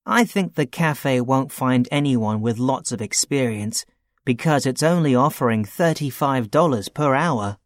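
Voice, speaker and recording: A man playing a young man looking for a part-time job, talking in a plain, steady, matter-of-fact way in a scripted dialogue. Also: medium pitch, a little slow, no echo, clean studio sound, natural voice. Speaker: student character in a listening test.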